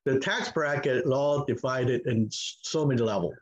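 Hong Kong-accented man, 50s, husky voice, hesitant interview talk, muffled video-call sound. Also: mid-range voice. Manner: halting, many fillers and restarts. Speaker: farm owner, guest. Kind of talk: casual interview answers. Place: home room with log walls, indoors.

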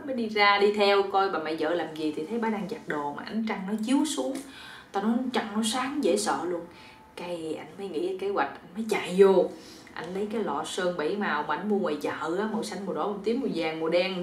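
A woman's voice: fairly low pitch, far from the mic, slight background noise. Chatty Southern Vietnamese woman storyteller. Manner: chatty, with asides and fillers. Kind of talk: casual folk-tale storytelling. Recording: roomy echo.

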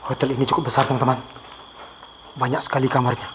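A man's voice: mid-range voice, level tone, fast. A middle-aged man narrating to viewers while exploring an abandoned overgrown building at night, on a handheld camera. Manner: addresses viewers, calls out loudly to spirits. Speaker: ghost-hunting vlogger. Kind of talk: hushed exploring commentary. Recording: faint night insect noise. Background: crickets and insects.

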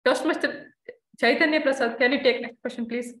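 A woman in a roomy, echoing space cheerfully moderates a meeting and puts questions to the speakers. Her voice sits a little high and carries over the video call. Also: fairly even intonation, fairly quick. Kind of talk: hosting a meeting segment.

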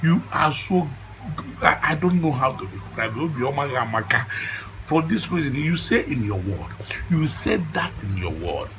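Older igbo nigerian dad in a comedy, pleading and dramatic, voice up and down, noisy background. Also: male voice, mid-range voice, very animated, moderate pace. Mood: pleading, fervent. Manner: theatrical, repetitive, pleading, mixes English and Igbo. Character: devout older father, dramatic repentant sinner, easily indignant. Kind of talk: comedy film acting with loud pleading prayer.

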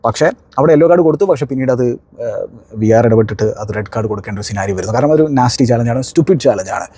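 A man talks through a football match review at a very fast clip, chatty and emphatic. His tone is dark and mellow. The sound is dry and close, with no room around it. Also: mid-range voice, lively intonation, no room sound. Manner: conversational, emphatic exclamations. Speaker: football analyst.

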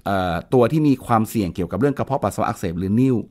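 A man with a fairly low voice, talking as a veterinarian on a podcast. He speaks fast, briskly explains each point, and often repeats a word when he restarts. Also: expressive, a little mellow. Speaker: veterinarian guest. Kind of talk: explanatory interview talk.

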